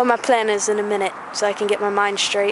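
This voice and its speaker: A woman speaks over noticeable background noise. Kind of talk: casual vlog talk while walking outdoors. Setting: outdoors. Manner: rambling.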